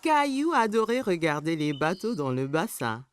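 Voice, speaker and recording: A woman's voice: on the low side, very animated, moderate pace, a little hiss or hum. A woman reading scripted children's story narration as the storyteller of a cartoon.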